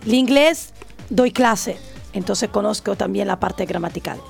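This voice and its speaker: Woman, heavy vocal fry, hesitant, radio guest. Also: mid-range voice, a little slow, a little mellow, faint music behind. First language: Italian. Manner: hesitant, with many fillers. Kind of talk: radio interview. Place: radio studio.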